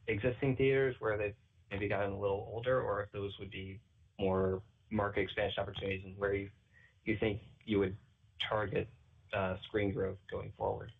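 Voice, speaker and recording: A man asking questions as an analyst on an earnings call, with hesitant, halting phrasing. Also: on the low side, vocal fry. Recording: distant, tinny phone line.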